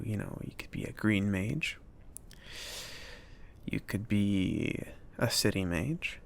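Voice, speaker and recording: A man playing a friendly, awkward mage who runs a magic shop, rambling and reassuring in a soft-spoken ASMR roleplay. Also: fairly low pitch, gravelly, slight background noise. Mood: helpful, rambling. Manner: rambling, hesitant, reassuring, with nervous chuckles.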